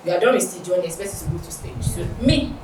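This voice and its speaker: A woman's voice: fairly low pitch, lively intonation, fast, darkish tone, faint music behind. A Nigerian woman guest in a casual interview who laughs often and repeats herself. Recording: echoey room, distant mic, noisy.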